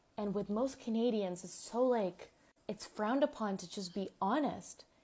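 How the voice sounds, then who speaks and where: A woman's tone is dark, mellow and somewhat breathy, her pitch fairly high with ordinary variation. She keeps a moderate pace while her loudness swings widely. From Russia. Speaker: podcast guest. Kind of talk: casual chat. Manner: animated.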